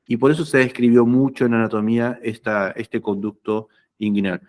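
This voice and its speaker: A man's voice: medium pitch, steady tone, moderate pace, a little mellow. A man giving an anatomy lecture, conversational and often checking that students follow. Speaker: anatomy teacher. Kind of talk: lecture explaining slides.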